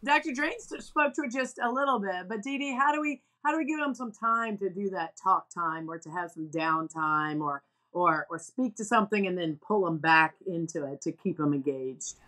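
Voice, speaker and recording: A woman co-host chats on a webcam call from a home office lined with bookshelves. Her voice sits a little low, and she talks in a loose, conversational way. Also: moderate pace, sharp tone. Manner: conversational, chatty. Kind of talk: video call panel discussion. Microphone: video call webcam.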